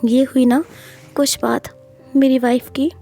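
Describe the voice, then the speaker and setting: A woman voicing a scheming, possessive young husband who speaks firmly and calmly. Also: high-pitched, unhurried, creaky, soft background music, heavily acted. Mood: soothing.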